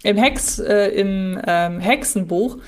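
A woman's voice: medium pitch, slow. A woman co-hosting a fan podcast, explaining details analytically in a conversational way. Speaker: podcast co-host.

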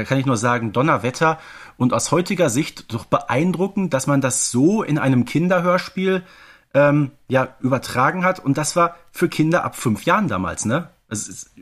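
A man's voice: mid-range voice, slightly rough. A man co-hosting a casual podcast, speaking colloquially and emphatically, often adding little tag questions. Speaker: podcast co-host.

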